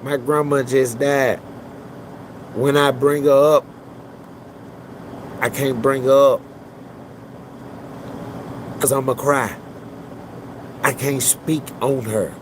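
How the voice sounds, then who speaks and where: A man's voice: mid-range voice, steady tone, slow, pauses often, background noise. A man hosting a livestream, talking bluntly and with lots of profanity in casual commentary. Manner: blunt, profane, emphatic street talk. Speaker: livestream host.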